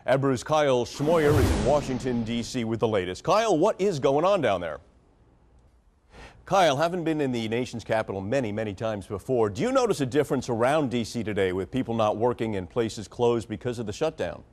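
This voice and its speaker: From a studio desk, a young man anchors the evening news, reading scripted stories in a measured, formal manner. His medium-pitched voice is animated and a little mellow.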